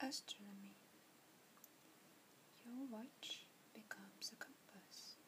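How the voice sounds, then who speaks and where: A woman whispers with a Russian accent at a very slow pace. Her long pauses come often. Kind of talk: ASMR book reading. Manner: whispered.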